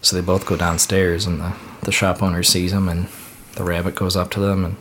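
Deep-voiced man rambling through a long joke. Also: little pitch movement, brisk, fairly bright tone, slight background noise. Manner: rambling, laughing at his own story. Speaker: podcast panelist.

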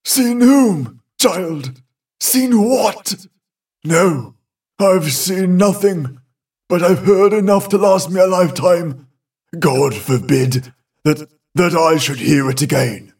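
Blustery old gent the narrator puts on, husky and slow, kinda far off the mic. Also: male voice, high-pitched, lively intonation, a little mellow, heavily acted. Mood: shaken. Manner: blustering, exclaiming, then commanding. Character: flustered elderly gentleman, father of the house.

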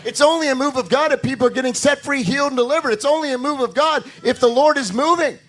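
A man preaching a sermon to his congregation with a hoarse voice, building emphasis through repetition and calling for amens. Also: extremely high pitch, fast talker, fairly bright tone. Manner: talks to the congregation directly, asking for amens. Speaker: pastor.

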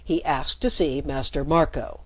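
A respectful old soldier-servant, voiced by a woman in her own low voice. He speaks with plain deference and a little more force than the narration. The sound is dry. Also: unhurried, no echo.

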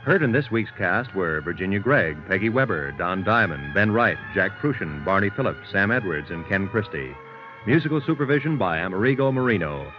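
A man reading the closing credits as a radio announcer, crisp and measured. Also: sits low, animated. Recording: dull 1950s radio transcription with music.

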